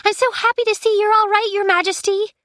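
A woman's voice: very high-pitched, level tone, fairly quick, sharp tone, no echo, clean studio sound, pitched above the performer's own voice. A woman voicing a shy, polite, girlish companion in an audiobook, timid and eager. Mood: relieved, polite. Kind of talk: audiobook character acting.

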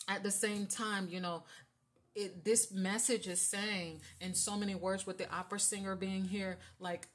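A woman's voice: fairly low pitch, fairly bright tone. A woman giving a casual tarot reading, with a voice she says carries and demands attention, talking in a chatty way that is full of fillers and keeps checking in with "right?". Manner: chatty, filler-heavy, often asks "right?". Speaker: tarot reader.

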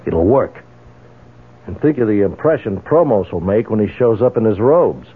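An actor playing a determined, vengeful man in a radio drama, insistent and persuasive, with a husky voice. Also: fairly low pitch, lively intonation, moderate pace. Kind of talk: 1970s radio drama acting. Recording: narrow, phone-like old radio sound.

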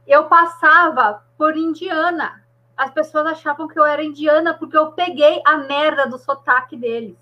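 A woman chatting on a video call, telling a story in an animated way. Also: high-pitched, normal speed, dull audio. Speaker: live stream participant. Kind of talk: casual chat on a video call.

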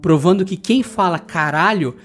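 A man with a Brazilian Portuguese accent hosts a solo podcast, telling an anecdote as a blunt, profane, indignant rant. His voice is high and fairly bright, and he speaks at a moderate pace.

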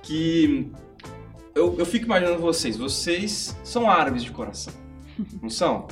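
A man hosts a relaxed chat in a slightly raised voice. He drops in quick reactions and tells his own anecdotes. Music runs clearly behind him. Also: fairly high pitch. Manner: chatty, reacts with quick interjections. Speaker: host. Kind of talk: casual interview chat. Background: background music.

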